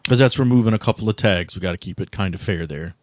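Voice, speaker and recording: Low-voiced man running a tabletop game. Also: fast, no room sound, clean studio sound. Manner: informal, sweary, hesitant phrasing. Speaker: game master of a tabletop RPG podcast. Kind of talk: casual improvised game narration.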